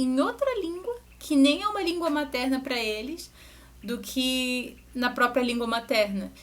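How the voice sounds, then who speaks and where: A young woman with a slightly high voice talks parents through a lesson. She is a music teacher, and her delivery is loose and conversational, full of little asides and restarted sentences. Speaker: music teacher and channel host. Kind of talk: educational talk to parents.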